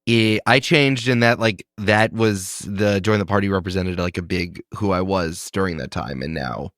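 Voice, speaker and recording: A man's voice: low voice, moderate pace, fairly bright tone, dry recording, clean studio sound. A man in his thirties, a podcast host and game master, talking in a reflective, thinking-aloud way in casual chat. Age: 30s.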